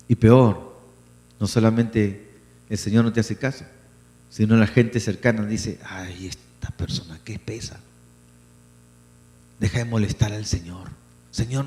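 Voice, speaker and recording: A man preaching a sermon as pastor, animated and acting out biblical voices. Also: mid-range voice. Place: church hall. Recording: church hall reverb with mains hum.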